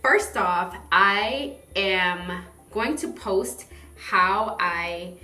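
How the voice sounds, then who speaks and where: A woman's voice: mid-range voice, extremely slow, sharp tone, echoey room, soft background music. A woman from the southern United States chatting casually to camera as a skincare reviewer, in a bubbly, playful manner. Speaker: skincare vlogger and product reviewer.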